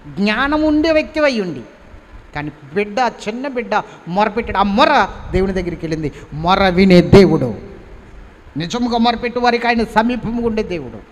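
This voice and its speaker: A man preaching a sermon, emphatic and urging his congregation to respond. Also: very high-pitched. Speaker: pastor. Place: church hall. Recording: reverberant hall, faint background noise.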